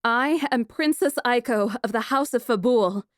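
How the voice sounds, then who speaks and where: A woman's voice: fairly high pitch, moderate pace, dry recording, studio quality, pitched above the performer's own voice, lightly acted. A woman voicing a proud, hot-tempered young princess in an audiobook, imperious and full of emotion. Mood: imperious, defiant. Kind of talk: audiobook character acting.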